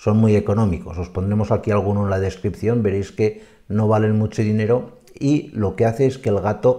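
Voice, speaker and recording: Fairly low-pitched man with a dark, mellow tone, ordinary pitch variation, fairly slow pace, quiet background. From Spain. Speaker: veterinarian YouTuber; presenter. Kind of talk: tutorial. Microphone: webcam.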